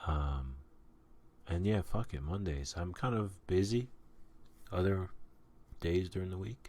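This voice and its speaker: The voice is somewhat breathy, with a dark, mellow, relaxed tone, ordinary pitch variation, and a fairly slow pace broken by long, frequent pauses. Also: man, very deep, low pitch for a man. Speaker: podcast host. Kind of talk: casual chat. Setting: at home, quiet night. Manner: relaxed, laid-back.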